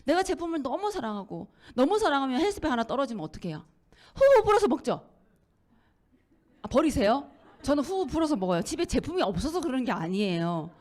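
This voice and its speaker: Animated woman giving a sales pep talk. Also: sits high, fast, hardly any pauses. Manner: animated, acts out quoted dialogue, laughs often. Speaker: network marketing speaker. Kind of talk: motivational lecture.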